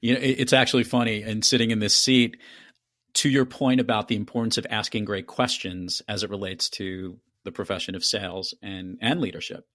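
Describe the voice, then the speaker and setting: A man's voice: lowish voice, steady tone, brisk, fairly bright tone, no echo, clean studio sound. A man from Brooklyn hosting a podcast interview, upbeat and chatty. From Brooklyn, New York. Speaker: podcast host.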